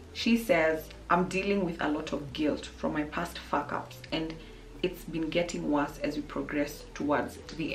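Hoarse, low-voiced woman chatting to camera. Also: fairly bright tone, low-quality recording. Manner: chatty and candid, with frequent restarts and fillers. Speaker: YouTube advice host. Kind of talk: casual advice vlog. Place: small room with a painting and plants.

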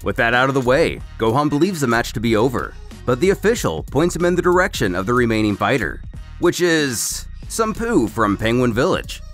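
A man's voice: mid-range voice, sing-song, brisk, fairly bright tone, soft background music. A man narrating a scripted story recap as a host, in a storyteller's delivery.

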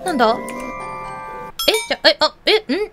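A woman giving excited let's-play commentary, exclaiming and chatting to her pets and viewers. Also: sits high, fairly quick. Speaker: gaming YouTuber. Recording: loud game music behind the voice.

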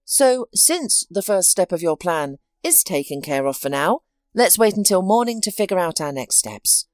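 A woman voicing a steady, helpful male friend, speaking calmly and reassuringly in a storybook reading. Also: on the low side, moderate pace, no echo, clean studio sound.

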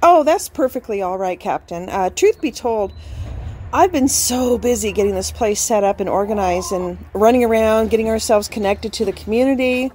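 A woman's voice: on the high side, normal speed, darkish tone, a little hiss or hum, close to an everyday voice. An actress playing a friendly, talkative mother in a radio drama, polite and a little hesitant.

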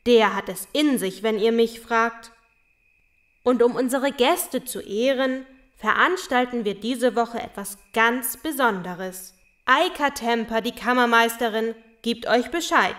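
A woman's voice: a little high, a little slow, fairly bright tone. A woman playing an officious, friendly town crier creature, proclaiming ceremoniously in a children's audio drama.

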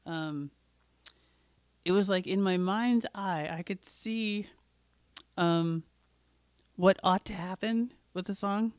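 A woman's voice: mid-range voice, slow, long pauses, darkish tone, no echo. A middle-aged woman chatting between songs on a home live stream, rambling with many fillers and a little scratchy from a cold, into a mic on a stand in a living room. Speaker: singer-songwriter. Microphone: studio mic on a stand.

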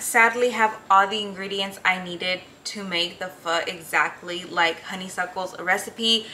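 In her home kitchen, a young adult woman from Houston, Texas, keeps up casual, informal vlog chatter while cooking. Her voice sits at medium pitch and sounds pushed and bright. A handheld or counter-set camera picks it up with a little hiss or hum.

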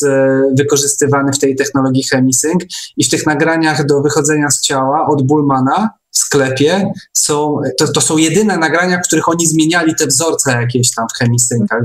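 Higher-pitched man hosting a casual chat. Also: reverberant. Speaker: host of online meeting. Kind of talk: casual conversational explaining.

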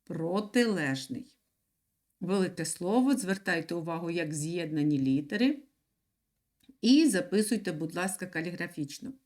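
A woman teaching young children in an online lesson, speaking slowly and clearly and repeating words for them to write down. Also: on the low side, lively intonation, a little mellow. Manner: patient, slow and clear, repeats words for dictation. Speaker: primary school teacher.

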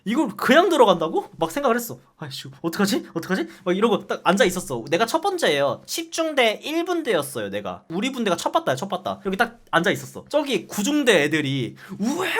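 Fast, animated young man telling a story. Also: sits high. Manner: animated, swears freely, acts out voices. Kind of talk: casual anecdote storytelling.

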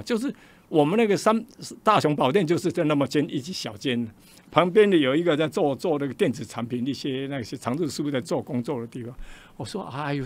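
An older man with a Taiwanese Mandarin accent, a radio interview guest telling a personal story and acting out the quoted dialogue in changing voices. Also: a little high. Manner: animated, acts out quoted dialogue with shifting voices.

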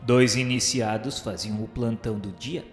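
A man's voice: mid-range voice, fairly even intonation, moderate pace, close to an everyday voice. A Brazilian man playing the remorseful spirit of a suicide, narrating his suffering in solemn, formal radio-novel declamation. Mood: grave, recollecting. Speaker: narrator character in a radio drama. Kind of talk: dramatic first-person narration of a religious radio novel. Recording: echoey long reverb with music behind. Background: music.

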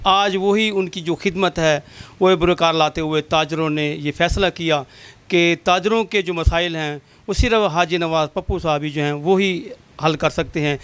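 Male field reporter, formal address to viewers, high smooth voice, handheld mic, dry sound. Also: fairly bright tone. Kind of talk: on-camera news report. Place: crowded indoor office.

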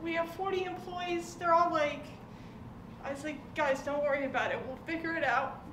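A woman's voice: high voice, fairly even intonation. Woman talking through a face mask. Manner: halting, emotional. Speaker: restaurant owner's family member. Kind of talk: casual conversation. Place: restaurant dining room, indoors. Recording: echoey room from far off with background noise.

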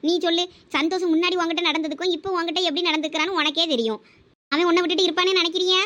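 A woman's voice: extremely high pitch, rapid-fire, fairly bright tone, highs cut off. A woman voicing a worried, caring mother-in-law in a village family skit. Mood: soothing. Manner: coaxing, reassuring.

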